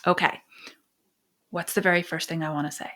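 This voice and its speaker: A middle-aged American woman sharing personal stories and parenting advice as a podcast host, phrasing things emphatically with deliberate pauses. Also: fairly low pitch, fairly even intonation, fairly bright tone. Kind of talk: conversational advice and personal storytelling.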